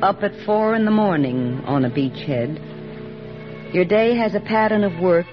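Thoughtful army nurse played by an actress, soft narration, 1940s radio. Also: female voice, fairly low pitch, close to an everyday voice. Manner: reflective, soft-spoken narration. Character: thoughtful young wartime army nurse, female. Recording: dull old radio recording with music.

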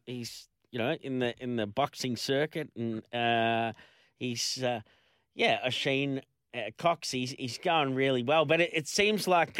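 A middle-aged man hosts a casual chat, spinning stories with many fillers and restarts. His voice is at a medium pitch. The sound is dry, with little room. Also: a bit bright, dry recording. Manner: rambling storyteller, lots of fillers. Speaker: host.

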